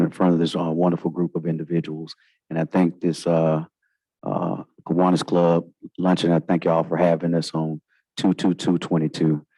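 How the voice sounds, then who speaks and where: A man's voice: deep voice, dark tone, breathy edge, no echo, poor audio. A man with a Southern African American English accent giving informal, emphatic remarks on a panel, repeating phrases for effect. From United States. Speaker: lawyer, panelist.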